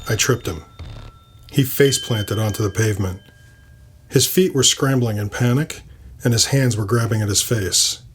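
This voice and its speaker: A man reading scripted first-person fiction as the narrator of an audio story. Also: mid-range voice.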